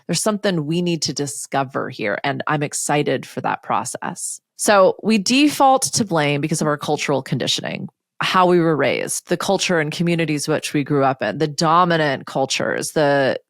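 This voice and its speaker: A woman hosting a solo podcast, speaking in a candid, conversational way with the odd curse word and quick put-on voices for other people. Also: sits low, no echo, clean studio sound. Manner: candid, conversational, occasionally profane. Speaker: podcast host and coach. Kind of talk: casual solo podcast talk.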